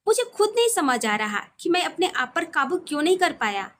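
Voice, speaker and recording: Woman voicing an earnest young husband, high-pitched. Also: very animated, brisk, fairly bright tone, a little hiss or hum. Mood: earnest, reassuring. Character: earnest young husband, tender, teasing, stubborn.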